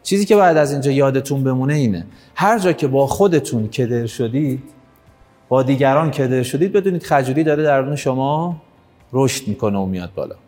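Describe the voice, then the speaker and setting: This workshop trainer has a medium-pitched, expressive voice with a darkish tone, and his words echo through a big hall over soft background music. Addressing the audience directly, he coaxes them and urges them on during the live session.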